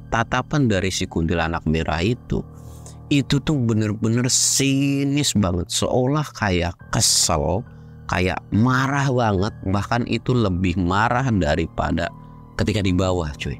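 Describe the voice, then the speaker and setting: A man narrating a ghost story in a chatty, slangy way, dropping to hushed tones at the scary parts. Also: fairly low pitch. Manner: chatty slangy retelling, sudden shifts into hushed and loud moments. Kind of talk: casual horror storytelling.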